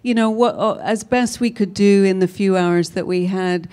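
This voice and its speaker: A woman, a film producer, answering at a panel in a warm, measured way. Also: mid-range voice.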